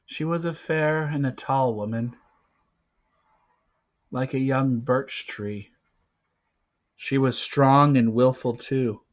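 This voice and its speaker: A man's voice: mid-range voice, dull audio, natural voice. Man acting a big, fervent tribal chief, declamatory. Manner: declamatory, exclaiming. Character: big fierce superstitious male tribal leader, loud and fervent.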